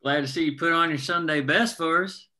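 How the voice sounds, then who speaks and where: A man's voice: a little high, brisk, bright, forceful tone. A man reading the part of an easygoing working family man and union organizer, casual and plain-spoken, in a drama table read. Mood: casual, low-key.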